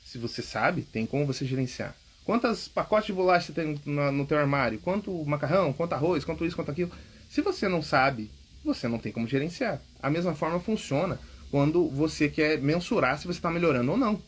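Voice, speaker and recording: A man's voice: a little high, lively intonation, fast talker, slight background noise. A man hosting a public speaking podcast, coaching casually and emphatically, often checking in with "ok?". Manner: emphatic, repeats key points, frequent "ok?" checks. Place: home recording.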